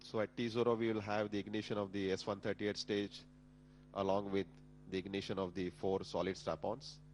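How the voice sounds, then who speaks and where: Male launch commentator, Indian accent, fairly deep, measured and formal, slight hum behind the voice. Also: flat delivery, poor audio. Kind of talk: live technical commentary. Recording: humming background noise.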